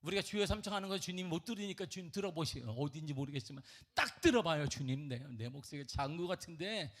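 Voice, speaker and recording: A man preaching a sermon at a church prayer meeting, with animated rhetorical questions and sudden drops to a near whisper. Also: on the high side, fast talker. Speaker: pastor. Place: church sanctuary.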